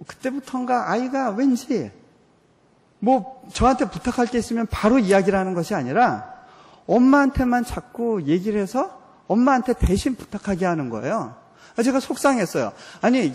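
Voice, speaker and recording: A man, a missionary, preaching a sermon and telling a personal story in a heartfelt, earnest way. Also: high voice. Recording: reverberant hall.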